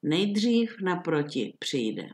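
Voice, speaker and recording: A woman voicing a fierce, monstrous beast from a fairy tale, speaking in a booming, threatening way. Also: sing-song, darkish tone. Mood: menacing.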